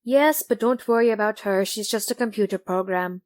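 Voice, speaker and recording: A woman's voice: mid-range voice, moderate pace, darkish tone, no room sound, lightly acted. A woman playing a composed, protective female computer program in an audio drama, with matter-of-fact delivery.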